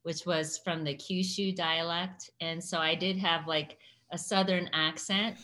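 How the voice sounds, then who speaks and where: A woman's voice: on the low side, fairly even intonation, a little slow, bright, forceful tone. A woman in her sixties, a guest in a casual interview, telling stories and laughing often. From United States. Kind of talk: casual conversational storytelling.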